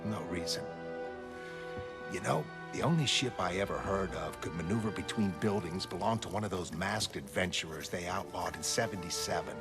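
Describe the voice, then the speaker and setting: A man's voice: sits low, moderate pace, gravelly, voice pushed down. A man voicing a cynical police detective who talks in a dry, streetwise way, over music. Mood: needling. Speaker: motion comic voice actor. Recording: music underneath.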